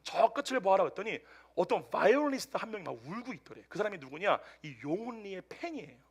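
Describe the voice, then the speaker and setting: A male pastor preaching a Sunday sermon to a congregation, telling a story with animated swings between loud outbursts and hushed asides. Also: high-pitched, fast, husky. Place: church service with a congregation answering amen.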